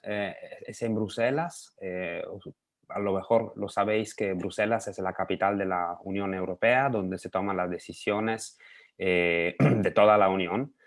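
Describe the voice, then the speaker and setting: A man from Italy with an Italian accent, speaking Spanish as a second language in a video call interview, pausing often with fillers. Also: low-pitched, steady tone. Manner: hesitant, many pauses and fillers. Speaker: interview guest, lobbying association head.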